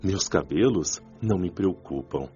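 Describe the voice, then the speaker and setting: A deep-voiced repentant spirit. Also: male voice, expressive, unhurried, mellow, husky, highs cut off, soft background music, heavily acted. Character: former smoker spirit man recalling his suffering. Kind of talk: radio drama acting.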